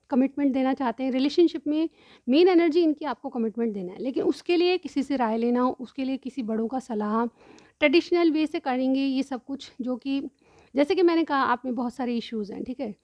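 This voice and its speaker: A woman reading tarot cards for her viewers. She explains each card in turn, often says "theek hai", and keeps clearing a sore throat. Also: high-pitched, no room sound, muffled recording. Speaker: tarot reader.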